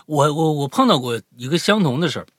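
A man's voice: on the high side, lively intonation, fast, no echo, studio quality. Rambling man. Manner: loose, rambling delivery with many repeats. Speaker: podcast co-host. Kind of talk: casual storytelling.

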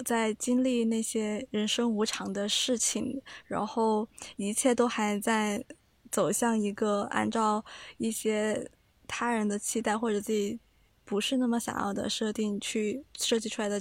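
A woman co-hosting a podcast, telling a story in a measured, hesitant way with frequent fillers. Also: mid-range voice, dry recording. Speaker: podcast co-host. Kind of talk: casual chat, storytelling.

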